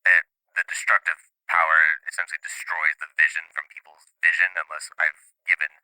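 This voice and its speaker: A deep-voiced, sarcastic island mage who scolds the party and lays out the danger in a long, tumbling explanation, as a man plays him. The voice is bright and forceful, smooth and resonant, and it sounds dry and close to the mic. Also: little pitch movement, brisk, dry recording, heavily acted, low-quality recording. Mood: stern. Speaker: player voicing a mage on a sending call. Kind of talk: tabletop role-play.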